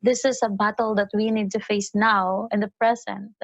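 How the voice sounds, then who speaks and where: A woman's voice: medium pitch, flat delivery, moderate pace, dull audio. A woman climate activist speaking earnestly and passionately in an interview. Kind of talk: interview testimony.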